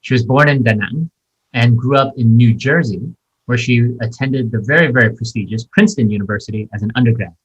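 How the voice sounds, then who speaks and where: Husky-voiced male podcast host. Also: mid-range voice, a little fast, dull audio. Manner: enthusiastic, chatty with fillers. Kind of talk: podcast interview.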